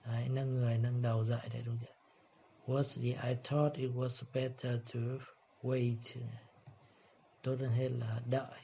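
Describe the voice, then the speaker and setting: A man whose first language is Vietnamese, teaching an English pronunciation lesson. He reads the English examples slowly and explains them quickly in between, often checking in with a tag question. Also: mid-range voice, little pitch movement, vocal fry, dark tone. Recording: dull lo-fi sound with faint room noise.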